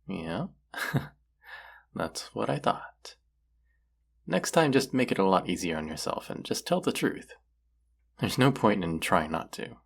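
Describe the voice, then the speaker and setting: Husky, low-voiced teasing young man, acted. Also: heavily acted. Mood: soft teasing curiosity. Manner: playful, teasing, hesitant trailing delivery. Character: teasing young man secretly crushing on his best friend. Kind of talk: intimate roleplay audio drama, casual one-sided chat.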